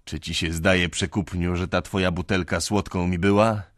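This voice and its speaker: A man's voice: low-pitched, fairly even intonation, moderate pace, no echo, studio quality, close to an everyday voice. A man reading an audiobook, voicing a drunken aging clerk who pleads and preaches in a wavering, pitiful voice. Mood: anguished.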